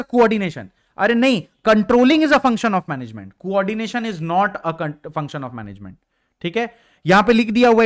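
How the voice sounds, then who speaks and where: A man's voice: sits high, a bit bright. A young man teaching an exam revision lecture in a casual explaining way, asking his students questions. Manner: casual explaining, mixing Hindi and English, asks students questions.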